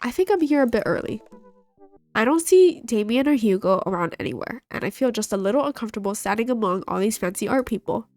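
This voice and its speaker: A woman's voice: fairly high pitch, lively intonation, fast talker, darkish tone, no echo. A young woman with a stuffy nose from a cold, playfully reading a dating game aloud and voicing all of its characters as she plays. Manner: playful, reads characters in her own voice. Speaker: gaming video host. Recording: faint game music behind.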